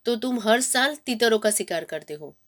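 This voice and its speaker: A stern old-school army colonel read aloud by a woman questioning strangers in a gruff, imperious tone. The delivery is a plain storybook reading, only lightly acted. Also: fairly high pitch, animated, normal speed, close to an everyday voice.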